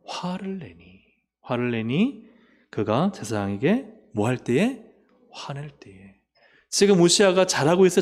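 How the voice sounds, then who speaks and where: A man preaching a sermon as pastor. He asks the congregation questions and answers them himself, and he moves between emphatic rises and quiet, low endings. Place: church sanctuary. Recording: long hall reverb.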